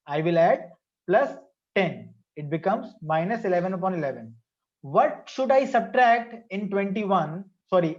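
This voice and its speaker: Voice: mid-range voice, darkish tone, highs cut off. A teacher with a South Asian accent leading an interactive online maths class, repeating phrases and questions to prompt pupils.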